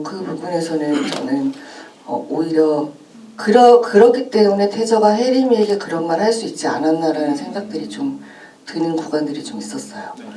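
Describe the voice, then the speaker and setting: Thoughtful actress in an echoey cinema. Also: female voice, medium pitch, a little mellow, distant mic. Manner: thoughtful, with frequent pauses and "uh" fillers. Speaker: actress at a film Q&A. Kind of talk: reflective answer at a post-screening talk. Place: cinema auditorium. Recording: echoey cinema, from afar, faint hum.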